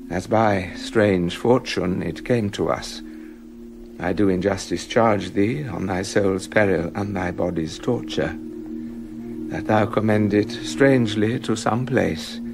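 A man's voice: deep voice, takes it slowly, vocal fry, over music, heavily acted. An older actor playing a jealous, tyrannical king in a radio drama, commanding and stern. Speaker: King Leontes.

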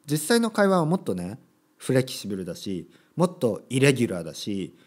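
A man's voice: mid-range voice, very animated, fairly quick. A man from Kyushu hosting a casual solo podcast for learners, chatty and given to repeating phrases and acting out little dialogues. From Kyushu, Japan. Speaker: podcast host teaching Japanese.

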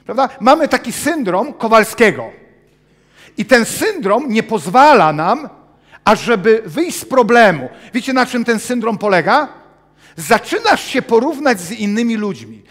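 A man in his fifties preaching a sermon with personal testimony in a small church hall, animated and gesturing as he paces. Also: very high voice, a little slow. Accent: Polish. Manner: animated, gesturing broadly while pacing the stage. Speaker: pastor.

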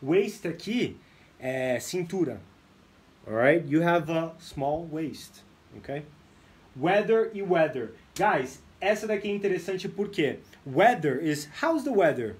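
Streaming live, a young man from Brazil gives an energetic English lesson, mixing English phrases into what he explains. He speaks slowly, at a fairly high pitch.

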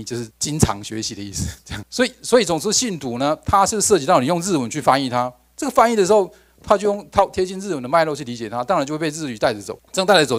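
A man giving an academic lecture, conversational, often asking the audience rhetorical questions and restarting his phrases. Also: mid-range voice. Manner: frequent restarts and fillers like OK.

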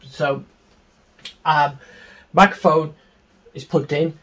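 A middle-aged man giving an informal, unscripted tutorial on music software, explaining step by step into a handheld microphone in a small home studio. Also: fairly high pitch, fairly even intonation, slow. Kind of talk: informal screen-share tutorial.

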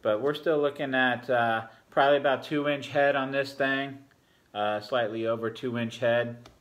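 A man in his forties gives a relaxed, rambling beer review full of fillers, talking at a table in a home bar room. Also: mid-range voice, normal speed, dull audio. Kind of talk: casual beer review vlog. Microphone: fixed camera at a table.

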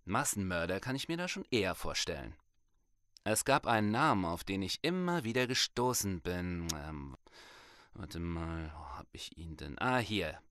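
Low-voiced weary male detective. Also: very animated, moderate pace, a bit bright, no echo, studio quality. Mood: wry, focused. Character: weary male police detective, methodical and dryly wry. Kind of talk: German audio drama acting, conversational.

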